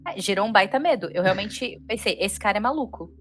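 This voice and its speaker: Brazilian woman, mid-pitched, casual and emphatic. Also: lively intonation, fairly quick. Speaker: panelist on a reaction show. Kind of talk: casual spoken review chat. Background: music.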